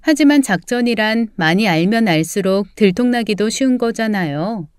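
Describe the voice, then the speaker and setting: A woman playing a resolute adult daughter who tells her own story in measured, restrained scripted narration. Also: medium pitch, clean tone, no echo, studio quality, close to an everyday voice. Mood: composed, resolute.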